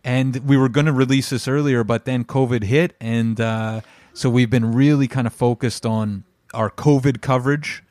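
A man's voice: medium pitch, fairly even intonation, moderate pace, a little mellow, no room sound. A man speaking as a podcast co-host. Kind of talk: podcast hosting, sponsor reads and chat.

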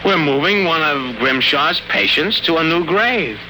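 An American actor playing a curt, sarcastic hearse driver in 1950s radio style. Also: male voice, on the high side, animated, a little slow. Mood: curt, suspicious. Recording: noisy old radio recording.

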